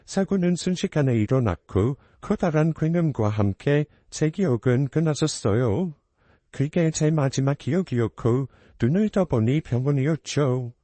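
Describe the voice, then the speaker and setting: A man reads a first-person true story in a somber, scripted manner. His voice is mellow and dry, with a lively rise and fall of pitch. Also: normal speed, no room sound. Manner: somber, recounting. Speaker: story narrator.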